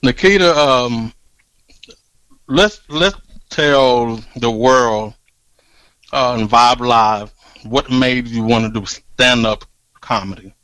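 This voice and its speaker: Slow-paced man co-hosting radio. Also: mid-range voice, fairly bright tone, no echo, rough recording. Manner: repeats words for emphasis. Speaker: radio co-host, comedian. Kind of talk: show hosting and interviewing.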